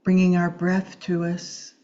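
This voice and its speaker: A woman with a dark, very mellow voice leads a guided meditation. She speaks gently and soothingly, leaving long, unhurried pauses between short phrases. The recording is slightly dull and muffled. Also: fairly low pitch, completely flat delivery. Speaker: meditation teacher. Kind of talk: guided Yoga Nidra meditation.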